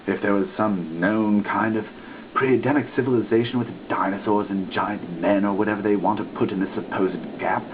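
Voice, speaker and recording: A man giving a dramatic reading of a religious text, with deliberate, theatrical emphasis and pauses. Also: lowish voice. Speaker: reader. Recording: muffled lo-fi phone-like sound, background hiss.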